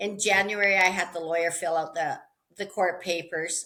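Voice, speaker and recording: Her tone is bright and sharp, with fairly even intonation. This woman's pitch sits fairly low. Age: 60s. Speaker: author. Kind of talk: interview.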